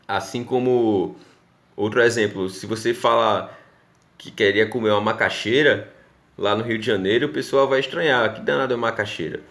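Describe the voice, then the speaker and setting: In this recorded lesson, a man with a Pernambuco accent of Brazilian Portuguese, from Northeast Brazil, explains things one step at a time and frequently checks on his students. He speaks on the low side at a normal speed, with a slightly bright tone.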